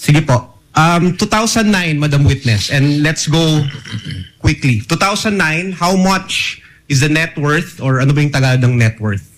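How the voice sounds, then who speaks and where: A man's voice: on the high side, moderate pace. A man questioning a witness at a hearing, courteous, switching between English and Filipino with some hesitant fillers. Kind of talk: hearing examination.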